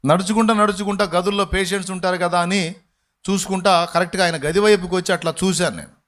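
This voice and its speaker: A man's voice: high-pitched, steady tone, fast. Dramatic male preacher. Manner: dramatic storytelling, acting out voices with sudden loud and hushed turns. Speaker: pastor. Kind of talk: sermon storytelling.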